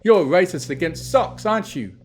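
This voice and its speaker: A man's voice: high voice, expressive, moderate pace, faint music behind, voice pushed up. A man voicing a mischievous, teasing male chaos spirit in a storybook reading. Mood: mock offended. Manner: teasing, theatrical.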